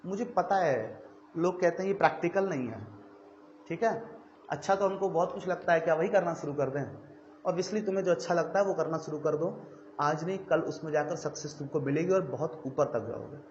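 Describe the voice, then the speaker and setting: A man's voice: fairly high pitch, a little fast, a little mellow. A young male coaching teacher giving students an earnest, conversational talk, checking in often to see that they follow. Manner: earnest, conversational, frequent "theek hai" check-ins. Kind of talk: motivational classroom talk to students. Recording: echoey, dull lo-fi room recording with faint noise.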